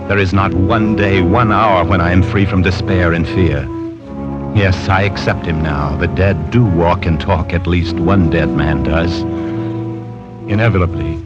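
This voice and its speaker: A man's voice: deep voice, a little slow, loud music behind the voice. An actor playing a haunted, guilt-ridden man who stammers tensely, narrating and speaking in an old radio drama, recorded as a dull old radio broadcast. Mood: brooding. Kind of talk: 1940s radio acting.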